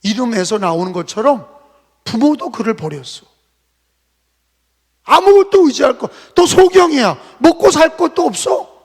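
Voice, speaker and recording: A male pastor preaching a sermon in a church, emphatic, firing off rhetorical questions and bursting out loud. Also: very high voice, lively intonation, measured pace, long pauses, husky. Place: church sanctuary. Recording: long hall reverb.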